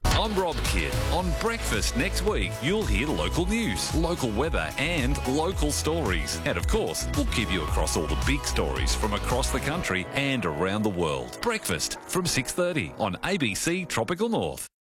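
A man's voice: mid-range voice, sing-song, normal speed, hardly any pauses, loud music behind the voice. A man reading an upbeat radio station promo. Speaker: radio presenter.

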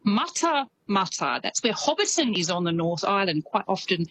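A woman's voice: medium pitch, big pitch swings, moderate pace, fairly bright tone, slight background noise. A woman correspondent with an Australian accent touched by New Zealand, chatting easily on radio and laughing often. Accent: Australian with some New Zealand.

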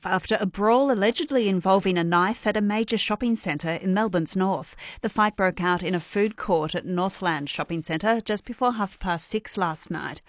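Crisp newsreader, dry studio. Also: female voice, medium pitch, dry recording. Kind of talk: news bulletin reading.

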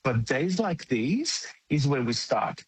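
A man's voice: medium pitch, sing-song, slow, slightly rough, dry recording, poor audio. A middle-aged man from Greece, giving blunt, earnest interview answers with occasional restarts. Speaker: interview guest.

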